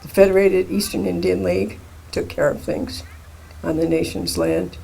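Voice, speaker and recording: An older man giving a heartfelt, earnest public address at a rally in a deliberate way. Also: high-pitched, big pitch swings, creaky, dark tone, husky. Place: outdoor rally. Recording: noisy outdoor event recording.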